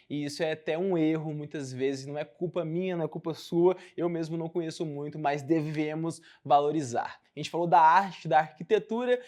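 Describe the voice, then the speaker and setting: A man's voice: a little high, darkish tone. A man with a Brazilian accent presenting conversationally as a programme host. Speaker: studio host.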